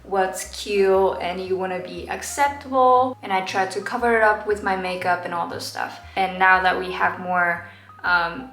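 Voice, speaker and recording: A young woman with a Japanese accent, soft and relaxed, filling her talk with little "um"s and "like"s as she walks through a makeup routine. Her voice sits in a middle register. It bounces off the hard walls of a small home bathroom, with faint music underneath. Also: medium pitch, gravelly. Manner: soft-spoken, relaxed, many fillers. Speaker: makeup vlogger and dancer. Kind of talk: casual makeup tutorial talk. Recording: roomy bathroom echo.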